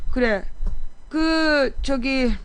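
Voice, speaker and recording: A woman with a high voice hosts a casual political live-stream, speaking extremely slowly. She is blunt and sarcastic as she scolds commenters.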